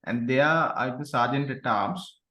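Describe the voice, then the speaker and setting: A man's voice: mid-range voice, measured pace, pushed and bright. Young man, 20s, from Sri Lanka, nervous, repeats words, echoey room. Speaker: guest. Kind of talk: self-introduction. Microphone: video call.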